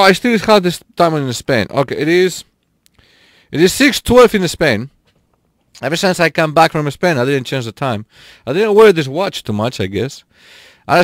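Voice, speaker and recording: A man hosting a casual gaming live stream, talking straight to his chat and laughing often. His voice sits a little high. The sound is close and dry, with no room echo. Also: a bit bright.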